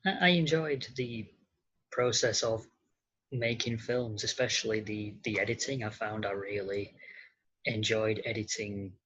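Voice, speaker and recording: A young British man answering interview questions casually, in a hesitant, halting way with repeated starts. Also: lowish voice, steady tone, a bit bright, slightly rough, dull audio. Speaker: interview guest.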